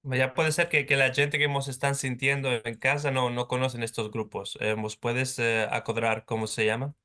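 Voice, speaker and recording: A male interview host with a mid-range voice asks his guest questions. He listens closely and fills the pauses with brief affirming murmurs. He sounds courteous and engaged. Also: medium pitch, flat delivery, sharp tone. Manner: attentive, frequent short backchannel sounds. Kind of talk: interview hosting. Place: home in London.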